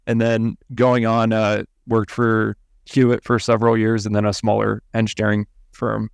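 A man's voice: fairly low pitch, completely flat delivery, normal speed, creaky, no echo, clean studio sound. A man from Colorado, an engineering firm CEO, answering interview questions casually with "kinda" and "like".

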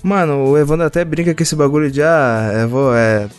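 Fast-talking slangy podcast host. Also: male voice, a little high, smooth, soft background music. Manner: slangy, quick, joking. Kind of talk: casual podcast chat.

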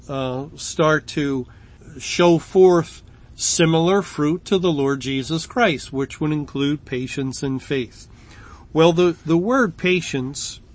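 A middle-aged man teaching through Bible verses in an unhurried, halting way, often restarting words and pausing with fillers. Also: fairly high pitch. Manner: slow, halting delivery with frequent restarts and fillers.

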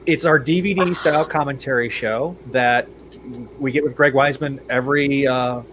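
A man hosting a podcast in casual chat, relaxed and hedging, with plenty of fillers. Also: medium pitch, a little hiss or hum, rough recording. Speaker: podcast host.

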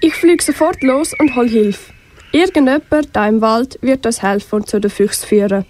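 An eager young swallow in a student radio play, played by a teenage girl, urgent and excited. The voice is high and bright. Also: normal speed, no echo, lightly acted. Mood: gentle. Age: teens.

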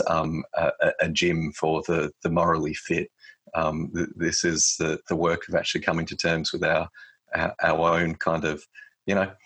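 Low husky-voiced man, thoughtful guest. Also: a bit bright. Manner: reflective, many fillers and restarts. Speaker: podcast guest. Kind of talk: casual conversation.

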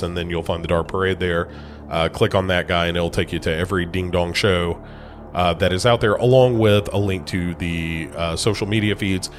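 A man from the United States hosting a podcast, a bit congested from a cold, talking casually with lots of ums and restarts. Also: low voice. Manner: rambling, many fillers and restarts. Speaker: podcast host.

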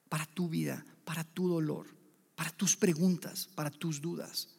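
A male preacher with a high, gravelly voice delivers a sermon to his listeners as friends. He swings from loud emphatic bursts to hushed, near-whispered lines. The sound carries a long reverb from a large hall. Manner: addresses listeners directly as friends.

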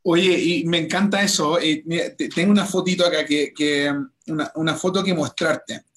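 A man's voice: on the high side, steady tone, moderate pace, fairly bright tone. Upbeat man hosting a promo chat. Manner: enthusiastic, promotional, many restarts. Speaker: host. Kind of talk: livestream interview chat.

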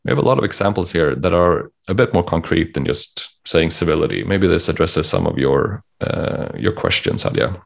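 A man co-host in a casual panel discussion, explaining points in a measured way and reading out passages of guidelines. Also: low-pitched, expressive, vocal fry. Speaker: podcast co-host.

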